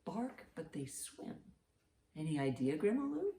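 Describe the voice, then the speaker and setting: A woman's voice: sits low, sing-song, unhurried, dark tone, a little hiss or hum. A woman reading aloud and posing riddles to young children as a storytime host, encouraging and big in her reactions. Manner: encouraging, exaggerated reactions to answers. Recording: roomy, echoing sound.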